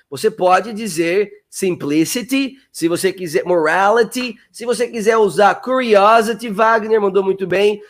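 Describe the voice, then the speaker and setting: This high-pitched man is teaching English live on stream, chatty and encouraging. He models pronunciation by repeating words slowly and calls out the names of viewers.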